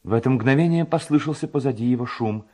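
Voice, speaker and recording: A man narrating a literary tale in an expressive, poetic, dramatic storytelling style. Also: mid-range voice, fast.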